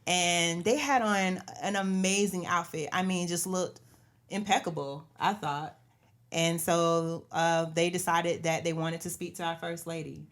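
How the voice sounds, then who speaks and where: A woman co-hosting a casual chat podcast, an animated storyteller who laughs between lines. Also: fairly low pitch, measured pace. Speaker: podcast co-host.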